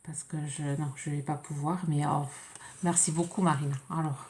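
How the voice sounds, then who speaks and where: Low-voiced French woman with a cold. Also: fairly even intonation, darkish tone, a little hiss or hum. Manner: hesitant, many pauses and fillers. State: congested with a cold. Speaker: scrapbooking vlogger. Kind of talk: casual unboxing chat.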